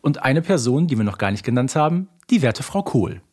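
Male podcast co-host, husky medium-pitched voice, conversational yet meticulous in explaining. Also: big pitch swings, fairly quick, a little mellow. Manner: detailed, precise explaining. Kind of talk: casual fan podcast chat.

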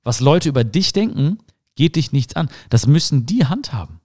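A man in his thirties, raised in Germany, hosting a motivational podcast in an earnest, emphatic way, his pitch rising sharply on key phrases. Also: big pitch swings, normal speed, dark tone. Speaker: podcast host. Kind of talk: motivational talk.

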